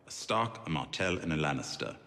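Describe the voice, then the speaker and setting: An actor playing a witty, wine-loving lord advisor who tells jokes with a wry, theatrical manner. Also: male voice, very deep voice, animated, a little fast, sharp tone, big-room sound, heavily acted.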